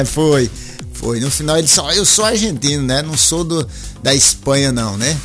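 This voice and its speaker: A man's voice: on the high side, lively intonation, a little slow, fairly bright tone, faint music behind. Chatty radio host, man. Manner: chatty, lilting, tags lines with "né?". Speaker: radio sports and call-in show host. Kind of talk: casual radio chat and sports commentary.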